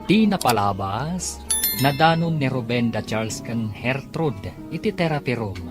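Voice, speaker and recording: A male announcer with an Ilocano accent narrates a scripted drama. His delivery swings animatedly in pitch, and music plays clearly behind him. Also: animated, unhurried.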